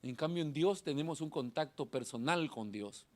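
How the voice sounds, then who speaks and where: A middle-aged male pastor, preaching a sermon in a church hall. He has a thin, nasal voice and swings from shouting to quiet asides. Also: a little high, lively intonation, moderate pace.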